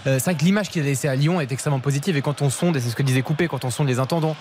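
A man reporting on a football club for radio, explaining things in a measured, informative way. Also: mid-range voice, a little mellow, a little hiss or hum.

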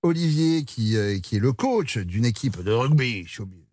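A man's voice: medium pitch, expressive, normal speed, a little mellow, no echo. A male radio host in casual, self-mocking studio chat.

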